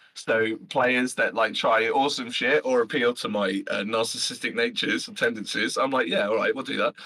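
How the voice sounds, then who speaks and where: Speaking fairly quickly, a man can be heard. Behind his voice there is noticeable background noise. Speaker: podcast host and streamer guest. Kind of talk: casual chat. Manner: brash, big personality.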